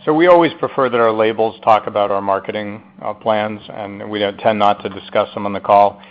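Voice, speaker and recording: A man executive answering analyst questions on an earnings call, measured and emphatic on key points. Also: lowish voice. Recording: muffled conference call audio.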